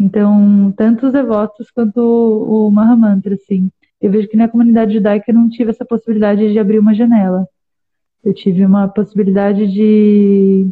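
A woman speaks at a moderate pace in a fairly high, somewhat breathy voice with monotone, flat intonation and very even loudness. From Portugal, Lisbon. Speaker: singing teacher. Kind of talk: casual interview.

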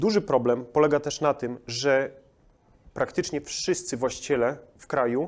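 This man's voice sits at a medium pitch. He talks fairly slowly. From Podlasie, eastern Poland. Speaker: veterinarian and clinic owner. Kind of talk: interview.

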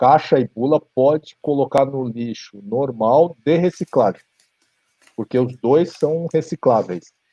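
Heard in a dry, close sound with no echo, a man at medium pitch speaks at a very slow pace with a dark, mellow tone and ordinary pitch variation. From Brazil, São Paulo ABC region. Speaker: engineer at a pharmaceutical company. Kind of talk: interview in a live stream.

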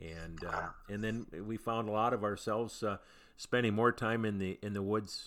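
Speaking with a Michigan accent, a man with a fairly low pitch and a bright, sharp tone keeps a moderate pace, on a very clean recording with a silent background. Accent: Michigan general American. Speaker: podcast host. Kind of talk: casual interview conversation. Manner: friendly, folksy, chatty.

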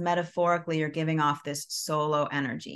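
Against a quiet background, a woman with an unremarkable speaking voice talks fairly quickly, her fairly low pitch held in fairly even intonation. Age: 40s. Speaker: health coach and feng shui practitioner. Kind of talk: casual interview chat.

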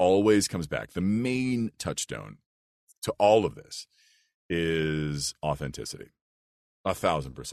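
Against a quiet background, a man with a very deep, low pitch speaks with lively intonation in a dry, close sound with no echo. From United States. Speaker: voice actor and singer. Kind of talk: casual interview chat.

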